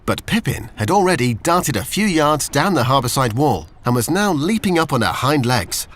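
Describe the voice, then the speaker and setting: A man's voice: mid-range voice, sing-song, moderate pace, a bit bright. A man with a British accent reading a scripted children's story, expressively, as a storyteller to young children.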